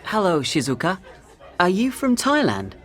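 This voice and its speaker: A speaker voicing a friendly questioner in a scripted practice dialogue for learners, with a very lively sing-song intonation. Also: mid-range voice, moderate pace, a faint crowd. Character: friendly questioner meeting new people.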